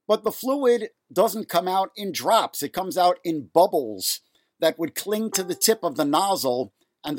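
A man, hosting a solo podcast from his apartment, ranting angrily in a raspy, nasal voice while ill and congested. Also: on the high side, no room sound, clean studio sound. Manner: angry, indignant ranting. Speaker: podcast host. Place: home apartment.

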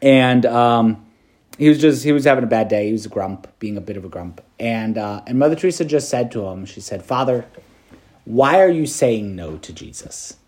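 A man's voice: mid-range voice, fairly quick, darkish tone. A man, a Catholic priest, preaching a meditation to students in an easygoing, conversational way, often checking in with "right?" and adding light self-deprecating humor.

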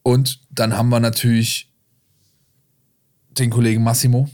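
Male football podcast co-host, medium pitch, casual and colloquial, explanatory delivery. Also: little pitch movement, moderate pace, darkish tone. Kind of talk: casual football talk and analysis.

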